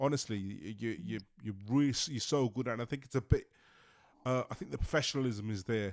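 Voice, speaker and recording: At a fairly quick pace, a man with a medium pitch and ordinary pitch variation speaks in a very clean recording with a silent background. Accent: Birmingham. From Birmingham, England. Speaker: podcast host. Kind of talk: interview. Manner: halting, repeats words.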